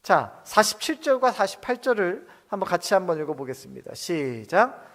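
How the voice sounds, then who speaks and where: A male pastor preaching a Sunday sermon from the pulpit, asking the congregation questions and swinging between soft and loud. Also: sits high, sing-song, normal speed. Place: church sanctuary. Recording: long reverb of a church hall.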